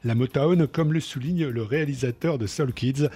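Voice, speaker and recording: A male radio columnist presents a film review with a polished, lively delivery. His voice is warm and mellow with a slightly husky edge. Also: medium pitch, moderate pace.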